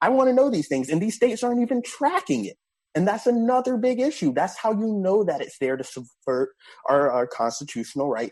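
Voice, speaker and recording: A man with an American accent at a fairly quick pace, with very wide pitch swings. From Florida. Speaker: policy director and gun rights activist. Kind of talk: radio interview, political talk.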